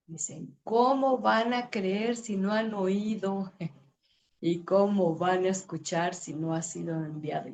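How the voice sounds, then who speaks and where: A middle-aged woman teaching a women's ministry Bible lesson, expressive, acting out dialogue and reading scripture slowly. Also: lowish voice. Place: church.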